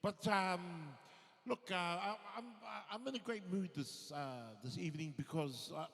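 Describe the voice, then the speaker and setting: A man's voice: high voice, a little slow, a bit bright. Laid-back Kiwi comedian in his fifties. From New Zealand, Samoan family. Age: 50s. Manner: laid-back, self-deprecating, many fillers. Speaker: stand-up comedian. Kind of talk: stand-up comedy set. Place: theatre stage. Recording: long hall reverb.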